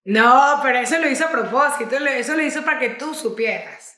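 A woman's voice: sits high, a little fast. A young woman with a Venezuelan accent telling slangy stories in casual podcast chat, acting out quotes as she goes. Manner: lively storytelling, acts out quotes, slangy. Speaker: podcast co-host. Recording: roomy echo.

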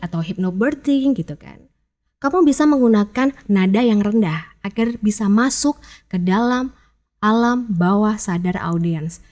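Casting note: woman, slightly high voice, upbeat speaking coach. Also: darkish tone. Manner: chatty and upbeat, acts out example phrases. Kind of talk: casual podcast lesson.

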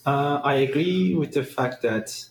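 A man in his thirties from Turkey, with a Turkish accent, explaining his work as an interview guest in a measured way, searching for words. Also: medium pitch. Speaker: AI researcher. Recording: echoey room with faint noise.

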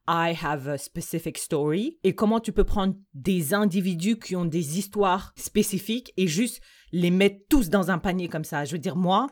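A woman's voice: low-pitched, darkish tone. A young woman from Mauritania, debating in a casual chat, emphatic and slipping English phrases into her talk. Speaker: discussion guest.

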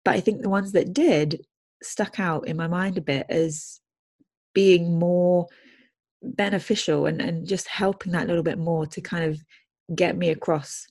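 A woman host with a fairly low voice chats with her guest in a friendly, easygoing way. She laughs easily and thinks aloud as she talks. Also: fairly even intonation, a little slow, a little mellow. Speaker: language consultant and podcast host. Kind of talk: casual interview chat.

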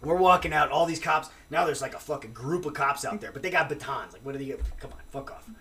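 A man telling a wild story as a podcast guest, animated and profane, acting out what people said. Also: on the high side, quick pace. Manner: animated, profane, acts out quotes. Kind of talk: casual storytelling.

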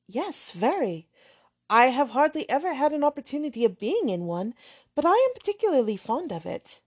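A woman voicing a shy, earnest young woman who speaks softly and hesitantly. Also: high voice, sing-song, normal speed, voice pushed up. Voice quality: soft, hesitant.

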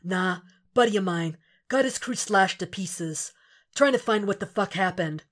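A woman voicing a gruff, foul-mouthed male ex-Marine who is protective and angry, speaking in commanding, insistent bursts. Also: mid-range voice, measured pace, natural voice. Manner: cursing, commanding, rising insistence.

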